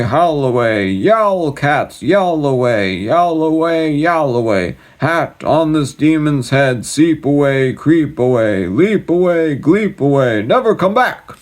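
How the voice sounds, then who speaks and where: A man doing slow chanting magicians. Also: on the high side, voice pushed up. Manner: slow rhythmic incantation. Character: group of chanting male magicians.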